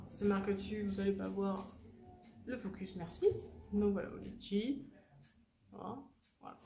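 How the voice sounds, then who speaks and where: A young woman chatting casually through a shopping haul, rambling and correcting herself with many fillers. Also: mid-range voice. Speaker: vlogger showing a shopping haul. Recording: echoey room with faint noise.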